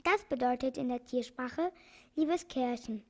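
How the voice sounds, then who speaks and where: A woman reads a children's story aloud, chapter by chapter. Her voice sits high, and she narrates in a calm, clear, even manner. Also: measured pace. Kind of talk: reading a children's book aloud.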